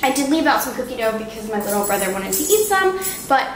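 A high-pitched woman's voice with music in the background and audible room echo. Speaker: home baking vlogger. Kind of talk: casual vlog chat. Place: kitchen. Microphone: camera far.

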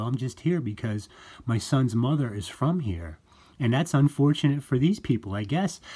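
A man with an American accent, a dark, mellow tone, a somewhat breathy voice, lively intonation and a fairly quick pace, against a quiet background. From United States. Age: 50s. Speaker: online commentator. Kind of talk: monologue to camera. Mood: aggrieved, defensive. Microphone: phone near.

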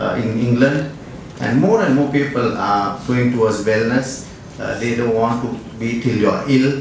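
Strong room echo surrounds a man talking at a moderate pace over light background noise. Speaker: conference presenter. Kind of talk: lecture. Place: hall. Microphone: camera far.

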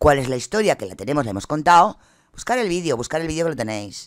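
A woman speaks in an animated tone, the sound dry with no echo and the background quiet. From Spain. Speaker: streamer commenting true crime. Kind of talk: live stream commentary. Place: home room. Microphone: studio mic.

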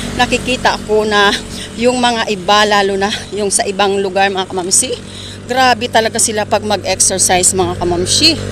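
Over noticeable background noise, a woman speaks at a moderate pace with medium pitch. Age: 50s. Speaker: vlogger. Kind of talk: vlog monologue while jogging. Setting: outdoors. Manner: animated.

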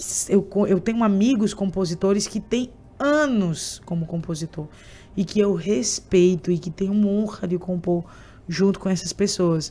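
A dark, mellow tone comes through with some breathiness. Delivery is fairly slow, and the pitch varies in an ordinary way. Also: woman, medium pitch for a woman. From Patos, Paraíba sertão, Brazil; Paraíba, Brazil. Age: young. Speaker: sertanejo singer; guest. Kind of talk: casual interview chat. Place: studio. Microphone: studio mic.

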